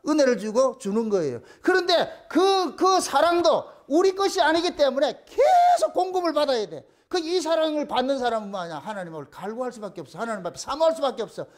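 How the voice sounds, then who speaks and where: Male pastor, high and very animated, hammering points home with repetition and rhetorical questions. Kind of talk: sermon.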